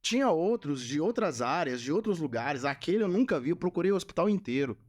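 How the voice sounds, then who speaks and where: Earnest man with a higher voice. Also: very animated, brisk. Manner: earnest storyteller who repeats phrases for emphasis. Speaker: guest, Catholic missionary. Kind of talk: spoken testimony in a podcast.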